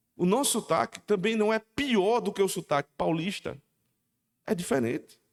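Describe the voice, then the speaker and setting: The recording is very clean, with a silent background. A man's speech moves at a moderate pace. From Paraíba, northeast Brazil. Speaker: pastor. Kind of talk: sermon.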